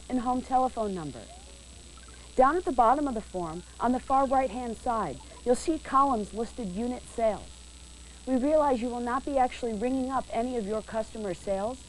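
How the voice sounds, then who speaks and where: A woman's voice: fairly high pitch, a little mellow, slight background noise, rough recording. Woman narrator on a worn VHS tape. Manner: clear, measured, instructive. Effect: worn VHS tape copy. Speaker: training video narrator. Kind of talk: scripted instructional narration.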